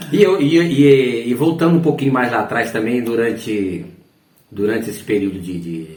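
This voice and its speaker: Audible room echo around a man's speech full of very wide pitch swings. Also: medium pitch for a man, big swings in loudness. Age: 60s. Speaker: football announcer and voice artist. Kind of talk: interview. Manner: fast.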